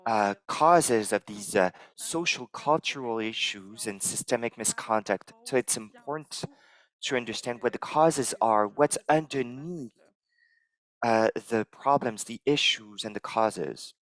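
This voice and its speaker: A man interpreting a conference talk live into English, measured and halting, pausing as he translates. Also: mid-range voice, fairly bright tone, rough recording. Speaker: simultaneous interpreter.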